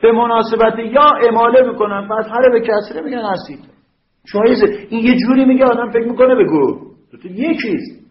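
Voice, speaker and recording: Male teacher, high voice, lively lecturing with rhetorical checks, recorded in an echoey room. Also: muffled recording, slight background noise. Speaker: Arabic grammar teacher. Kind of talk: classroom lecture.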